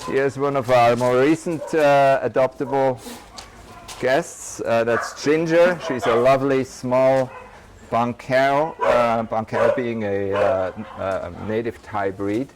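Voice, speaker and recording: Slow-spoken man guiding a rescue tour. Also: medium pitch, fairly even intonation. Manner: hesitant, many fillers. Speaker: rescue center guide. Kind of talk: walking tour explanation. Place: outdoor animal rescue center with dogs. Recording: noisy outdoor recording with barking dogs.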